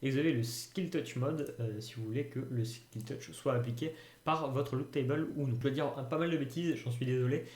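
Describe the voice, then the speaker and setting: A man's voice: medium pitch, a little fast, a little mellow. A man giving a casual screen-recorded tutorial, thinking aloud with frequent hesitations and fillers. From France. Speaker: tutorial youtuber. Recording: roomy home recording.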